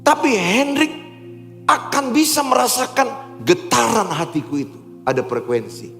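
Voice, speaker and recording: A male pastor delivers a sermon, swinging from loud, emphatic lines to low, quiet ones. His voice sits high for a man and is very lively in pitch. It rings through a large, echoey church hall over soft music.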